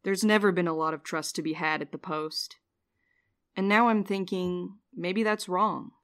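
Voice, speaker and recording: A woman's voice: fairly low pitch, fairly even intonation, moderate pace, fairly bright tone, lightly acted. A woman playing a wry, guarded, sleep-deprived mail courier in an audio drama, speaking in a dry, weary way. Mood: gentle, apologetic. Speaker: lead actor in a fiction podcast. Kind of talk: naturalistic audio drama acting.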